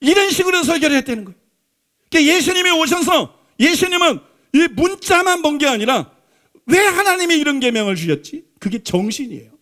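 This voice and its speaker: A man's voice: very high-pitched, big pitch swings, a little fast, bright, forceful tone. A male pastor preaching a Sunday sermon in a church. He is emphatic, repeats his points and keeps asking the congregation rhetorical questions. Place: church sanctuary.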